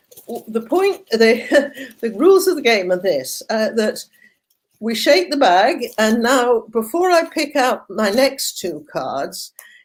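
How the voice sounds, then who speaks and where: The speech moves at a very slow pace. Its pitch swings very widely. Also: woman, fairly high pitch for a woman. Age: 60s. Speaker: maths educator, co-host. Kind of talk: maths game demonstration. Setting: video call. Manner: halting.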